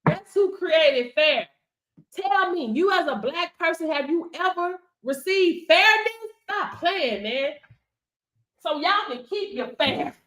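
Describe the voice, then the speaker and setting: A woman teaching a business workshop like a sermon. She talks in a high voice that jumps all over the place, hammering words over and over and breaking into laughter. She keeps calling her audience baby. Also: lively intonation, slow pace, fairly bright tone. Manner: emphatic, repeats phrases, laughs often, calls listeners baby. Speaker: workshop instructor. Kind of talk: preachy motivational workshop talk.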